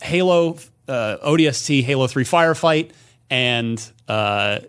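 A man in a casual panel discussion about video games, speaking haltingly as he searches for words while explaining. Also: mid-range voice, animated, fairly bright tone, clear, resonant tone. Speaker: podcast host.

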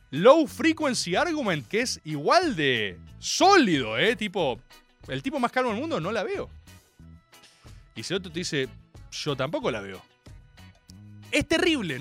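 Argentine guy hosting a comedy chat show, high voice, bouncy and animated, soft music under him. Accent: Rioplatense Spanish. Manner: animated and joking, addresses the audience. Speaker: host.

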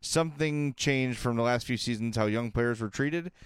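Clear-voiced American man hosting a podcast. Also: medium pitch, normal speed, dry recording, clean studio sound. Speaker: sports podcast host.

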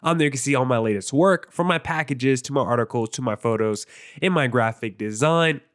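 A young man with a stuffy, nasal voice from allergies, hosting a casual sports podcast, moving briskly from plugs to game stats. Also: mid-range voice, no room sound, studio quality. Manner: brisk, self-promoting, stat-heavy. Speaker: podcast host.

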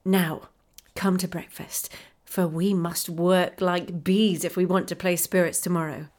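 A woman's voice: fairly low pitch, flat delivery, unhurried, a little mellow, natural voice. A woman doing a playful, loving storybook mother.

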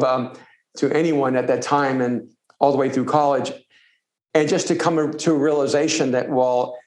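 A middle-aged man from El Salvador whose first language is Spanish, a pastor and author talking in an interview in a halting, reflective, self-deprecating way. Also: medium pitch, roomy sound. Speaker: pastor and author, podcast guest. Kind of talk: interview conversation.

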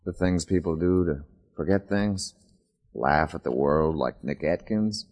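An actor playing an easygoing, reflective detective in an old radio drama, with an American accent and a tender manner. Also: male voice, extremely low pitch, unhurried, darkish tone, big-room sound. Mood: tender, musing. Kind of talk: 1940s-50s radio drama acting.

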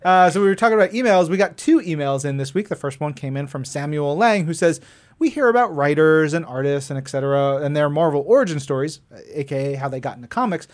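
A man's voice: a little high, animated, fast talker. A man chatting casually as a co-host of a podcast.

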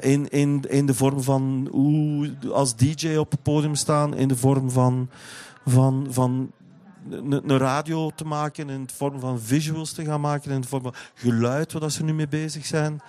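A man's voice: mid-range voice, a little mellow. A man with a Flemish accent chatting casually about music, often repeating words as he searches for phrasing. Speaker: interview guest, teacher.

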